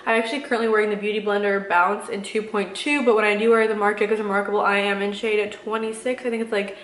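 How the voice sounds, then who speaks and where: In an echoey room, a young woman vlogger answers questions in a casual, chatty Q&A with motivational advice. She talks rapidly in a mid-range, slightly bright voice with a flat delivery. She rambles and packs in fillers but stays earnest and encouraging.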